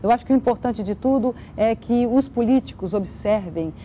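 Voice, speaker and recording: A woman's voice: on the high side, normal speed, mellow, slight background noise. A woman speaking earnestly as a guest, in the manner of someone who performs. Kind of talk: earnest interview talk and poetic recitation.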